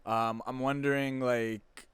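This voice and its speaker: A young man hosts a podcast, asking questions in an easygoing, halting way. His voice is smooth and mid-pitched. The room sounds dry. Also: level tone, fairly bright tone, no room sound. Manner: easygoing, hesitant with fillers. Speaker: podcast host. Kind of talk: casual interview questions.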